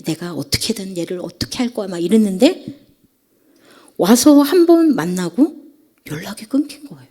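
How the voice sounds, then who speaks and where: In a church sanctuary, a middle-aged woman preacher shares an emotional sermon testimony, her warm, fairly high voice falling to whispers before rising again as she tells her story.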